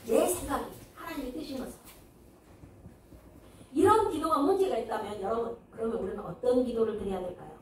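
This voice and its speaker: Woman pastor, high voice, chatty sermon full of rhetorical questions, recorded from afar in a reverberant sanctuary. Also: brisk, slight background noise. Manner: conversational preaching with rhetorical questions and acted quotes. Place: church sanctuary. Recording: echoey church hall, mic at a distance.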